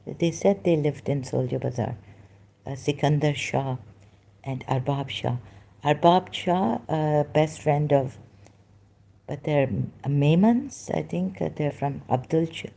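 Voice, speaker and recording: Low, slow, halting woman. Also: gravelly. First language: Khoja Sindhi. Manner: halting and soft, drifting between thoughts. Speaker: vlogger. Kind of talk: personal spoken monologue. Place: home, resting.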